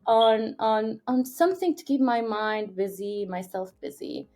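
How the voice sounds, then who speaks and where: A woman in her thirties, raised in Syria, speaking English in a fairly high voice. She tells her story earnestly and with feeling, often restarting her sentences and filling pauses. Soft music plays faintly behind her. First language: Arabic. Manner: earnest, animated, many fillers and restarts. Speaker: podcast guest. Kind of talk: conversational interview storytelling.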